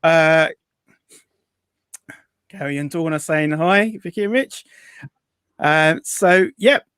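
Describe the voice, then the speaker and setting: A man's voice: fairly high pitch, slow pace, a bit bright, clear, resonant tone, dry recording. A man hosting a casual online chat show, reading out viewer comments with lots of fillers over a video call. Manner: chatty, reads out viewer comments, many fillers. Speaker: host.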